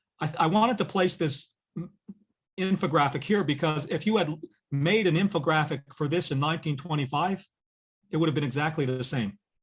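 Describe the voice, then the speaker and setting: Moving at a fairly quick pace with long, frequent pauses, a man with a Cape Breton accent and a fairly high pitch shows ordinary pitch variation. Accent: Cape Breton Canadian English. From Cape Breton, Nova Scotia (Glace Bay). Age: 50s. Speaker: community advocate. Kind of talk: webinar conversation.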